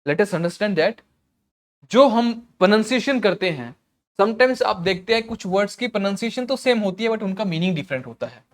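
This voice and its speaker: A man teaching exam vocabulary in a Hindi-English mix, explaining slowly, repeating words and checking in with "okay" as he goes. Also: high-pitched, expressive. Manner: clears throat often.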